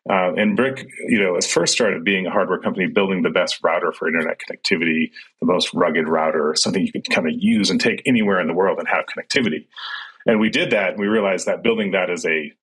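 A man's voice: sits low, a bit bright, slightly rough, low-quality recording. A middle-aged man who grew up in Sudan and Kenya, a tech entrepreneur answering interview questions in a thoughtful way, with many fillers and restarts.

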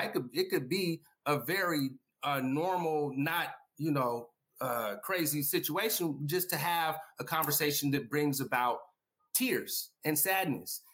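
A man's voice: on the high side, a bit bright. A man who is a guest educator in a panel discussion. He speaks earnestly, repeats himself and checks his points with "right?".

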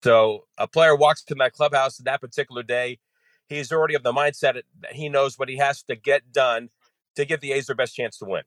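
A male play-by-play announcer speaking at a medium pitch, working through his points in a steady, measured flow of detail. The recording is dry and close, with no room sound around him. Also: no echo, poor audio. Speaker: baseball radio play-by-play announcer, guest. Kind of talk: podcast interview guest, analysis.

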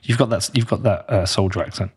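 A man's voice: fairly low pitch, fast, breathy edge. A man hosting a podcast, chatting enthusiastically and often restarting his sentences. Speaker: podcast host. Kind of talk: casual podcast conversation.

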